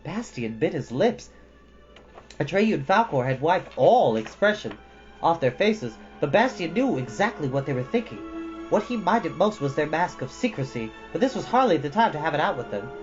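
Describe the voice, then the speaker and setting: Male storybook narrator: expressive, animated intonation, slightly lo-fi, with music underneath. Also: a little high, normal speed. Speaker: storyteller reading a children's novel. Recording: dull lo-fi audio with music. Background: background music.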